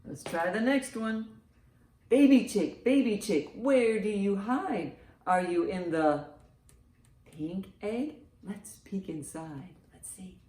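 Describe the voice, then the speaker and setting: A woman's voice: mid-range voice, animated, slow pace, dark tone. A woman hosting a children's storytime, reading and chanting rhymes in a sing-song, encouraging way for young children. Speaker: children's librarian, storytime host. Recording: roomy, echoing sound.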